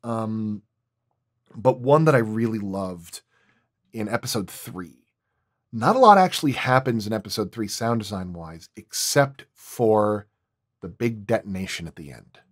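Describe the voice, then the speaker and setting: A man's voice: on the low side, lively intonation, measured pace. A man who works as a sound designer, talking casually and in technical detail at a roundtable.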